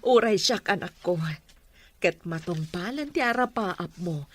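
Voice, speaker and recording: A woman with an Ilocano accent playing a gentle, devoted mother who consoles in a sentimental drama style. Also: mid-range voice, lively intonation, measured pace. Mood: warm, reassuring. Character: gentle, pleading, devoted mother comforting her grown daughter. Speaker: voice actor in an audio drama.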